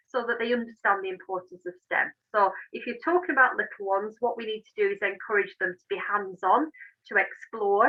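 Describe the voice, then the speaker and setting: A woman, interviewed as an engineer and managing director, explains things and offers advice in an emphatic, encouraging, informal manner. Her voice is medium-pitched, and the recording is muffled.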